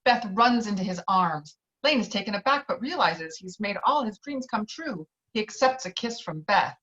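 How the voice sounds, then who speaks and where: Woman reading out script directions, medium pitch, slightly dull online call sound. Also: lively intonation, moderate pace, a bit bright. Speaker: stage directions narrator. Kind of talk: scripted narration of screenplay directions.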